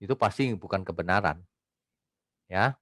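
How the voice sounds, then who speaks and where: A male pastor teaching an online Bible study, reading scripture slowly and asking rhetorical questions. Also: sits low, a bit bright, dry recording, clean studio sound. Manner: reads scripture aloud slowly.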